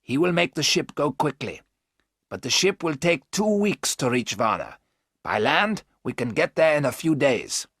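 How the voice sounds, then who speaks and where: A man's voice: a little high, very animated, a bit bright, breathy edge, no echo, clean studio sound, voice pushed up, exaggerated voice. A man voicing a wise old professor. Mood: firm. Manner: measured, explaining, firm. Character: older male professor, wise and firm.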